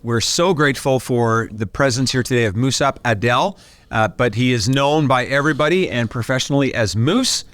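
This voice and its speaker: A man's voice: medium pitch, normal speed, fairly bright tone, no echo. An enthusiastic man hosting a chatty podcast interview in a studio. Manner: upbeat, enthusiastic. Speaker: podcast host.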